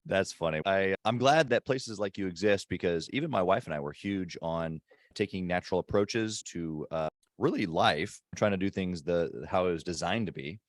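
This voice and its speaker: Male podcast host, deep and low, punchy delivery kept hushed, very dry sound. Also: moderate pace, no echo. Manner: emphatic, hyped-up, kept quiet in a public spot. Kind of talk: casual interview chat. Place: airport.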